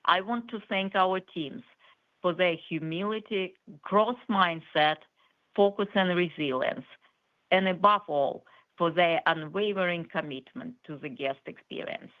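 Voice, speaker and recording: A woman company executive reading a scripted corporate earnings presentation in a measured, formal way. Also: lowish voice. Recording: muffled, band-limited conference call audio.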